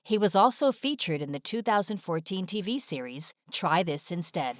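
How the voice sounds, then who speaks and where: A woman's voice: lowish voice, expressive, normal speed, no room sound, clean studio sound. A woman delivering scripted video essay narration in a polished, presentational manner.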